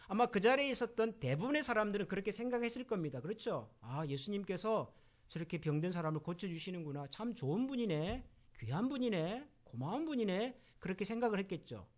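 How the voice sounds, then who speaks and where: A middle-aged man preaching a sermon as pastor, asking the congregation questions and acting out quoted voices. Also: sits high. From Korea.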